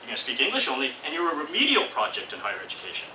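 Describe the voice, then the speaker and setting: A man's voice: medium pitch, wildly swooping pitch, racing. A middle-aged man with a Canadian accent giving an informal academic talk, posing rhetorical questions and checking in with his listeners. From Vancouver, Canada. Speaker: university lecturer. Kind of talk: academic conference talk to an audience. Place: indoor seminar room with audience, far camera. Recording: echoey room, distant mic, loud noise.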